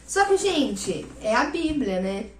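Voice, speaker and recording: A woman's voice: on the high side, sing-song, slow, reverberant, slight background noise. A woman hosting a Christian video, talking casually and earnestly to her viewers, stressing her points and addressing them directly. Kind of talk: casual teaching talk.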